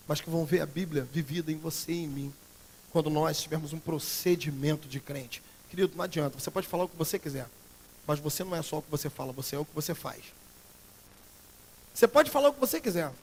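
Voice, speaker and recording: Brazilian pastor, high voice, preaching hard then going quiet, long church reverb. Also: male voice, vocal fry. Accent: Brazilian Portuguese. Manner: emphatic preaching, swinging between loud outbursts and quiet earnest passages. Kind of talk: sermon. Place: church sanctuary.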